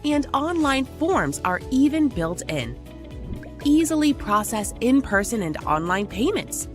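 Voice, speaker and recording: A woman reading a polished, upbeat scripted ad for software. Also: on the high side, very animated, measured pace. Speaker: ad voice-over. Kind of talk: scripted ad read. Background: music bed.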